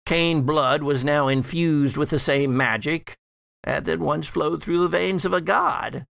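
Undead gothic father, played by a male game master: weary, mocking, drawn-out delivery, bright edge with vocal fry. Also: a little high, dry recording, studio quality, voice pushed up, heavily acted. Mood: brooding, explanatory. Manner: halting, drawn-out, condescending delivery. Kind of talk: improvised in-character horror roleplay.

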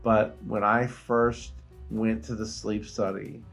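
A man co-hosting a casual comedy podcast, telling stories in a profane, animated way and acting out quotes. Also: on the low side, slow pace, vocal fry, faint music behind. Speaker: podcast co-host.

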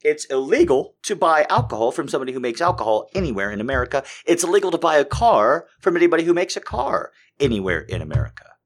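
A comedian giving a sarcastic comedic rant, profane and animated. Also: male voice, fairly high pitch, fast, few pauses.

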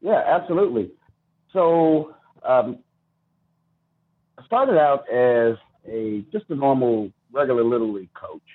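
A man's voice: medium pitch, lively intonation, a little slow, pauses often, phone-quality sound. A middle-aged American man telling his own story as an interview guest. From Chicago, United States. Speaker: podcast guest, youth baseball coach and charity founder.

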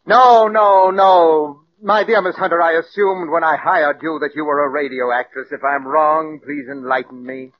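Actor as a sneering tyrant of a director in an old radio play, muffled with hiss. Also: male voice, a little high, fairly even intonation, normal speed, hardly any pauses, close to an everyday voice. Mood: cutting. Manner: cold, condescending, cutting. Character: cold, sarcastic, domineering male radio director.

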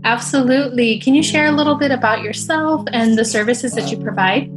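A woman who hosts the show as a therapist and coach, speaking in a soft, affirming, gently emphatic way through a scripted intro and her interview questions. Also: on the high side, fairly quick, music in the background. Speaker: podcast host, therapist and coach.

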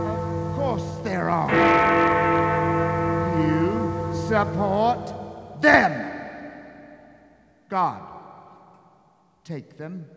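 A man's voice: very high-pitched, creaky, pushed and bright, full character voice. A man acting a stern, bitter Christmas spirit in a live radio play, speaking in a grave, theatrical, accusing way. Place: theatre stage before live audience. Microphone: shared stage microphone. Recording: echoey stage hall, music underneath.

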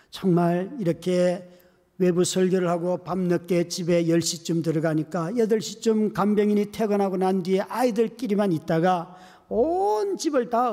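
A middle-aged male pastor preaching at a revival, dropping to hushed whispers and rising to loud pleading cries. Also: high-pitched. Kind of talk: revival sermon. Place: church sanctuary. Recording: long hall reverb.

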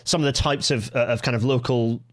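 A middle-aged man hosting a podcast in an average-pitched voice. He rattles along quickly, eager and restarting his sentences as he goes. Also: steady tone. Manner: eager, talks in quick bursts with many restarts. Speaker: podcast host. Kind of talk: casual podcast conversation.

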